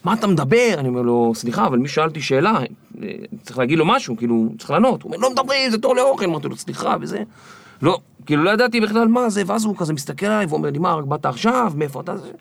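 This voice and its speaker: A man guest on an interview podcast, telling stories in a lively way and acting out the people in them. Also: a little high, creaky, no echo. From Israel. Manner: animated, acts out the people in his stories. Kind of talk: storytelling interview.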